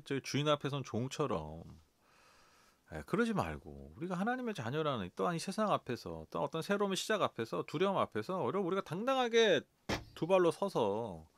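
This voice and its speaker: A middle-aged man preaching a sermon as pastor, conversational and lively, asking his listeners rhetorical questions. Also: on the high side, no echo. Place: church.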